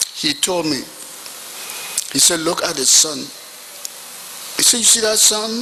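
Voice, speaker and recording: Lively intonation at a moderate pace is heard through audible room echo and noticeable background noise. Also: man. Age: 50s. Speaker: truth commission witness. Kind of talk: testimony. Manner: emotional storytelling.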